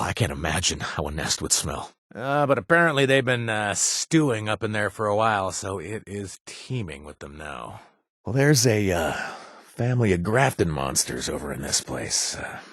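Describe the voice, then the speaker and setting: A man's voice: low voice, a bit bright, slightly rough, no echo, clean studio sound, full character voice. An actor playing a wry male wasteland bounty broker in a video game, laid-back and full of puns, with hesitant fillers between his lines.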